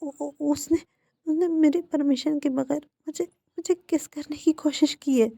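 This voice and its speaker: A woman's voice: high voice, steady tone, a little slow, gravelly, warm tone, dry recording, pitched above the performer's own voice. A woman voicing an upset, frightened young man in a narrated fan-fiction story, speaking in a pleading, agitated way. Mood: shaken pleading.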